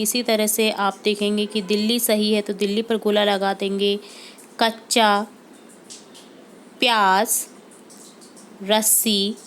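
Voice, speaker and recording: A woman's voice: fairly high pitch, a bit bright, slight background noise. A woman teacher going through a homework lesson for young pupils, patiently repeating example words and checking in with the class.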